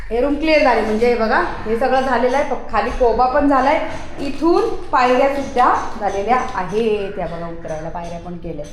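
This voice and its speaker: Woman, home vlogger, high voice, chatty, scolds her dog out loud. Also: noisy background. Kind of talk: casual home vlog. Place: house under renovation, indoors.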